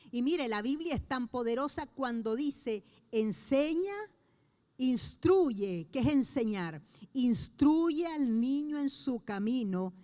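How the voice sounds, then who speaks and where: A middle-aged woman pastor, preaching a sermon in an earnest way with slow, emphatic pauses. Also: high voice.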